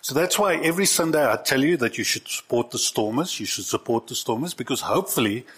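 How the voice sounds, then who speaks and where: Husky pastor preaching. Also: male voice, medium pitch, lively intonation, fast talker, fairly bright tone. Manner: conversational preaching, shifts into acted quotes. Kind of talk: sermon.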